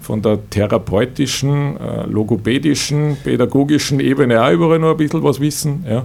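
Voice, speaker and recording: Noticeable background noise sits behind a man speaking at a moderate pace. His medium pitch shows ordinary variation. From Upper Austria. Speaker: assistive technology specialist. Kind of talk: radio interview. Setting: radio studio. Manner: hesitant with frequent fillers.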